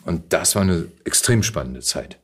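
A man's voice: low-pitched, lively intonation, moderate pace, husky. A middle-aged man talking casually as a guest in an interview, recounting his experiences in a conversational way. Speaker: podcast guest, actor and voice actor.

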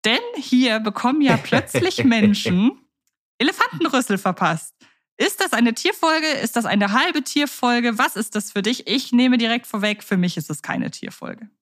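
A woman co-hosting a podcast, leading the talk with questions in an articulate, lively way. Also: on the high side, moderate pace. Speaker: podcast co-host. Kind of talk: casual podcast chat.

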